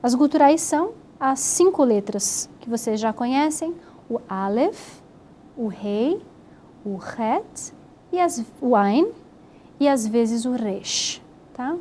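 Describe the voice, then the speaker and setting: A woman teaching a recorded Hebrew grammar lesson, explaining step by step and sounding out syllables slowly. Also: a little high, lively intonation, dark tone, slight background noise.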